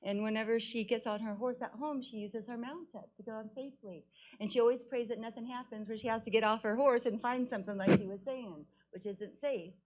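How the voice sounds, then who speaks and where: Gushy lady with a highish voice, chatty public remarks, giggles a lot. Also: a little fast, darkish tone, poor audio. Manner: gushing, effusive, laughs often. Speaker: resident presenting a community project. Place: council meeting room.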